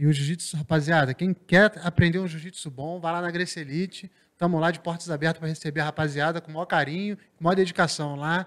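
Talking at a fairly quick clip, a man with fairly high pitch and an unremarkable speaking voice keeps his intonation fairly even against a quiet background. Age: 40s. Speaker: jiu-jitsu practitioner; martial arts instructor guest. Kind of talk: casual interview. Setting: studio. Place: studio. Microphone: handheld.

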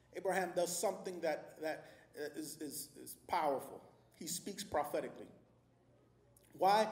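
Speaking with an American accent at a moderate pace, a man with a high pitch and ordinary pitch variation leaves long, frequent pauses, his loudness swinging widely amid audible room echo. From Texas. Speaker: pastor. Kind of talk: sermon. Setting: church. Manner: animated. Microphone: handheld.

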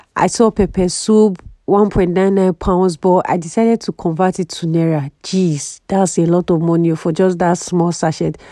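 Speaking at a fairly slow pace, a woman with a fairly low pitch has a dark, mellow tone, recorded dry with no echo against a quiet background. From Nigeria. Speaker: vlogger and healthcare assistant. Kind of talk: casual vlog. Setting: on the go, in car and stores. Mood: playful, joking.

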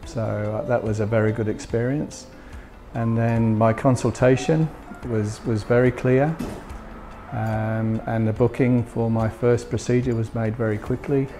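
A man talking at a fairly slow pace with music in the background. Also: medium pitch for a man, fairly even intonation. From Western Australia. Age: 60s. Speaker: engineer. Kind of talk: patient testimonial interview answer. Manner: hesitant, many fillers. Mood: warm, appreciative. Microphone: lapel.

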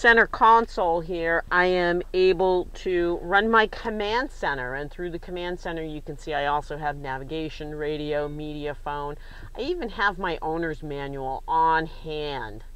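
In a plain, everyday voice, the speaker keeps a moderate pace with hardly any pauses, ordinary pitch variation and big swings in loudness, on a dry sound with no echo. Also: woman, fairly low pitch for a woman. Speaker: car salesperson. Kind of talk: product walkaround tour. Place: car. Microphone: phone near.

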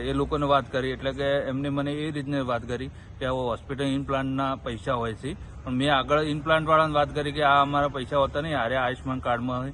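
A man's medium-pitched voice in a flat monotone. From Gujarat, Patan area village. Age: 30s. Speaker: NGO worker, whistleblower. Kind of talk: news interview statement.

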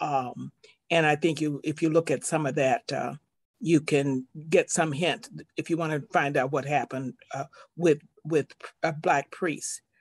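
A woman's very deep, low voice, fairly slow and fairly even in intonation, with long, frequent pauses. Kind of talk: audience question and comment. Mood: earnest, reflective. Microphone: video call.

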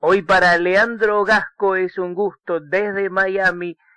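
This man's voice is high-pitched, raised and projected, with a bright, sharp tone and fairly even intonation. He speaks at a very slow pace, and the sound is dry and close with no echo. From Argentina. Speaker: radio host. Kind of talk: radio interview.

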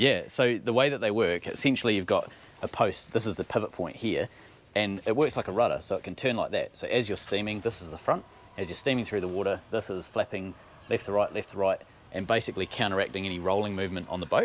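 Speech races along at a very fast pace. The sound is dry with no echo, with light background noise. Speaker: boat builder vlogger. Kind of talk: explanatory vlog commentary. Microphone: phone near.

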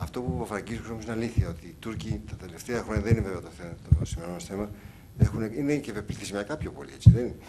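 A man's fairly low voice, very fast and lively in intonation, over loud background noise. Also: big swings in loudness. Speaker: moderator. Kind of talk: panel discussion. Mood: calm, reflective. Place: hall. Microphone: podium.

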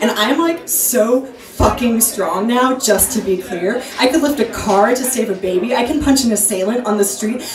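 A woman with an American accent, fairly high pitch, moderate pace, ordinary pitch variation and hardly any pauses, over noticeable background noise. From California. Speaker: performance artist. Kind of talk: spoken word performance. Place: stage.

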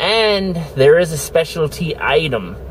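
The voice shows ordinary pitch variation, the sound is dry with no echo, and there is light background noise. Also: man. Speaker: vlogger. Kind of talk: casual vlog chat. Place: car. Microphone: phone near.

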